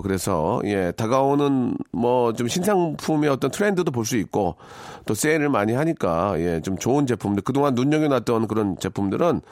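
A man in his forties hosting a radio show, reading listener messages and chatting in a joking, animated way. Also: mid-range voice, no room sound, studio quality. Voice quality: animated, acts out voices in quotes. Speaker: radio host.

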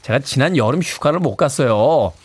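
A man hosting a morning radio show, talking with a bright, playful delivery. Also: medium pitch, expressive, fairly quick, breathy edge. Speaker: radio DJ host.

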